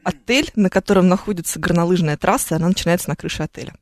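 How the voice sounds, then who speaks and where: A woman's voice: fairly low pitch, racing, no room sound. A woman co-hosting a radio morning show, telling travel stories in a chatty, ironic way into a studio microphone. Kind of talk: casual on-air chat.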